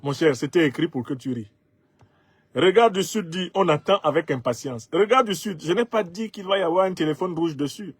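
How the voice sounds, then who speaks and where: Husky Cameroonian man in his fifties. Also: fairly high pitch, brisk, dry recording. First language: Bassa. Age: 50s. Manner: emphatic, rhetorical, laughs at his own jokes. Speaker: commentator reading viewer comments. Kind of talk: commentary on social media comments.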